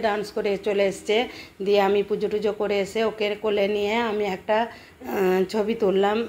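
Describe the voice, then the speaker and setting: A woman's voice: mid-range voice, slight background noise. A middle-aged woman narrates her day at home casually, chatting directly to viewers and repeating phrases for emphasis. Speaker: homemaker and vlogger. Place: indoors at home.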